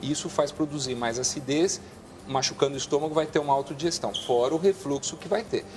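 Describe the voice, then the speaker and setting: A man speaking as a guest doctor on a TV talk show, calmly explaining health advice with frequent restarts. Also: on the high side, fast, noisy background.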